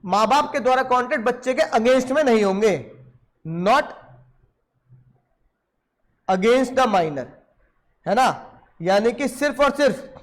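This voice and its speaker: A high-voiced male law teacher gives an animated lecture. He keeps firing questions at his class and answering them himself. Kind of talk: lively Hindi lecture.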